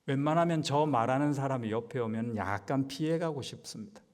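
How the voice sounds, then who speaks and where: A man's voice: medium pitch, brisk, a little mellow. A man pastor preaching a Wednesday sermon in a conversational style, asking the congregation rhetorical questions. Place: church sanctuary. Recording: long church hall reverb.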